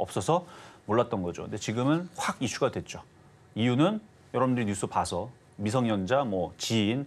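This man speaks with lively intonation. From South Korea. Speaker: stock market expert. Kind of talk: stock analysis on TV. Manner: casual, rambling. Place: studio.

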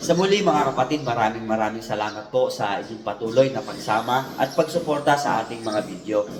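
Music plays in the background as a man speaks at a medium pitch and a fairly quick pace. He has hardly any pauses and ordinary pitch variation. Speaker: construction and home repair vlogger. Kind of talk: tutorial. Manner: polite, formal address.

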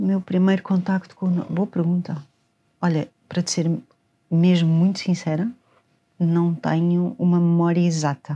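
The voice is somewhat breathy with a dark, mellow tone and very even loudness. It moves at a moderate pace with fairly even intonation and long, frequent pauses. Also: woman, fairly low pitch for a woman. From Portugal. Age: 50s. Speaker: writer and journalist; journalist. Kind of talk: interview conversation. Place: studio. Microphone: lapel.

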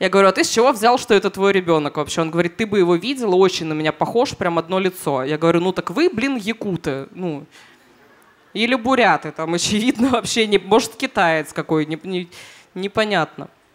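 Lively intonation marks this woman's speech, delivered at a fairly quick pace. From Saint Petersburg, Russia. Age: 30s. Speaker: stand-up comedian. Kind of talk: stand-up comedy set, with crowd banter. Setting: stage with live audience, on a boat. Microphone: handheld.

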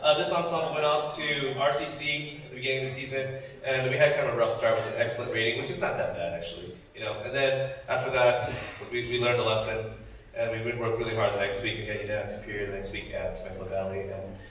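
A man talks at a very fast pace. The room echo is audible, and there is light background noise. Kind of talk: speech to a concert audience. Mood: proud, light-hearted. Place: hall. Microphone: camera far.

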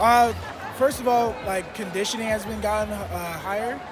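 Noticeable background noise sits under a man's high-pitched voice. The sound is dry, with no echo. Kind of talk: interview answer. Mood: happy, laughing after win. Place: stadium. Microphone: phone near.

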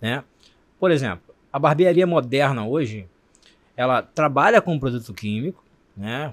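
A man with a fairly high pitch speaks with lively intonation at a fairly slow pace. The background is quiet. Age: 40s. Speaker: barber and image consultant; guest. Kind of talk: studio interview. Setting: studio. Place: studio. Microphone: studio mic.

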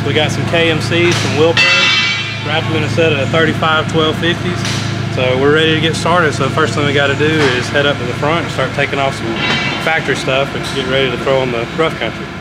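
A fairly quick pace over loud background noise. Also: man. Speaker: automotive show host. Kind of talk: tutorial. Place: workshop.

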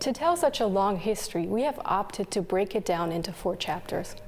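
A woman speaks with music playing in the background. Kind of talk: guided tour presentation. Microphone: lapel.

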